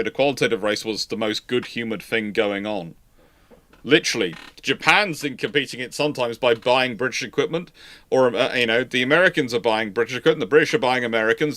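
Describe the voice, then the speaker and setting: Male live-show host, medium pitch, unscripted explainer style, emphatic and animated, frequently restarts and rewords. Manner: animated, emphatic, repeats and rephrases mid-sentence. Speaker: host of naval history live Q&A. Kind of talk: off-the-cuff explanatory commentary, answering listener questions.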